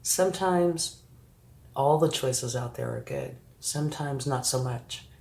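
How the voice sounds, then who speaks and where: Slow, gravelly woman reading tarot. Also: rumbling low, darkish tone. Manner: reassuring, addresses the viewer directly, frequent "okay" and "right". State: sniffly from a recent flu. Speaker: tarot reader. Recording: echoey room with faint background noise.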